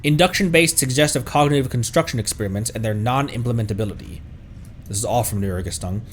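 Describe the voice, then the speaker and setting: A man streaming a video game, giving commentary and reading in-game text aloud, sometimes halting and repeating words as he goes. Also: medium pitch, a little hiss or hum. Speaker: streamer, host of a gaming livestream. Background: game music.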